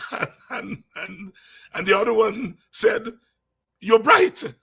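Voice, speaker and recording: Raspy, high-pitched Guyanese man talking emphatically. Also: slow. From Guyana, from the countryside. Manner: emphatic, repeats words and phrases, swings from low asides to shouts. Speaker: political commentator and speaker. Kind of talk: impassioned informal talk with anecdotes.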